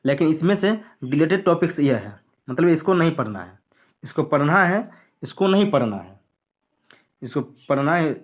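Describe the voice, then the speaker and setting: Man explaining a syllabus, fairly high voice. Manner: repetitive, plain explanatory. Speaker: teacher.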